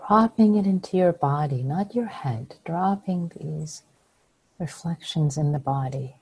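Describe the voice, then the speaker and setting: A woman leading a guided meditation as a teacher, speaking softly and soothingly with long pauses, her breathy voice at times close to a whisper. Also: low voice.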